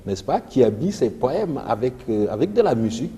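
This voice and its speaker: A man's voice: medium pitch, big pitch swings, warm tone, big-room sound. Senegalese French man teaching poetry. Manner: explanatory, declaims verse slowly. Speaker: literature teacher. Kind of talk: televised revision lesson.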